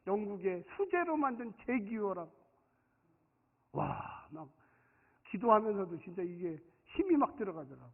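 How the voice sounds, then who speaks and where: A man's voice: high voice, sing-song, normal speed, vocal fry, long pauses. Man, middle-aged pastor, Daejeon accent, dramatic storyteller, thin phone-like sound. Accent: Daejeon region Korean. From South Korea. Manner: dramatic, storytelling, swings from quiet to shouting. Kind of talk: sermon. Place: church sanctuary. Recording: tinny, phone-like sound with long hall reverb.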